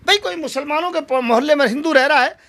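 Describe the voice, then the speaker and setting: Man, very high voice, bright forceful tone, combative political oratory. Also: fast. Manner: combative, emphatic oratory with rhetorical challenges. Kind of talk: impassioned political interview.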